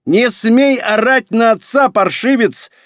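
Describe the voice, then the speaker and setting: A man voicing a stern, quick-tempered emperor who barks commands, in a dry audiobook reading. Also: on the high side, lively intonation, a little mellow, no room sound, voice pushed up, close to an everyday voice. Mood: furious. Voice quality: barking, commanding.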